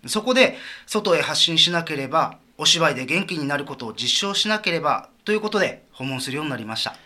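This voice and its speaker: A man's voice: on the high side, expressive, fast, bright, forceful tone. A man from a visiting theater troupe, explaining their work earnestly in a radio interview. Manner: earnest, explanatory, with light laughs.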